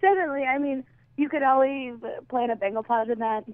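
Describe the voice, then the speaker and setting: A woman speaks in a plain, everyday voice. Her intonation is fairly even and her pace moderate. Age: 20s. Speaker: student government officer. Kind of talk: radio interview.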